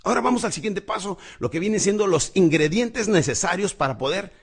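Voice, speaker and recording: A male motivational speaker teaching public speaking, alternating loud excited bursts with low, slow, weighty passages, calling the listener "champ". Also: slightly rough. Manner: calls the listener "campeón", laughs at own jokes.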